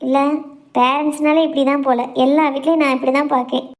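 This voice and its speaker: Young woman as a caring take-charge friend, quick-talking, high bright-pitched voice, reassuring. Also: level tone, close to an everyday voice. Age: young adult. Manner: brisk, reassuring, persuasive.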